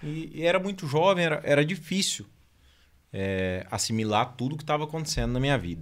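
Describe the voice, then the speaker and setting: A man speaks with very wide pitch swings. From Brazil. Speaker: country singer; guest. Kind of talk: casual interview chat. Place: studio. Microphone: studio mic.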